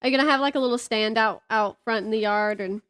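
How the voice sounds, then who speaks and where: Higher-voiced young woman, casual. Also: fast, a bit bright, no room sound. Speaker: podcast co-host. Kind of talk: casual chat.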